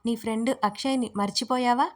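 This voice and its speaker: A woman's voice: fairly high pitch, fairly even intonation, fast talker, close to an everyday voice. Woman voicing a nervous deceitful young man. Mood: pleading. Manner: evasive, pleading.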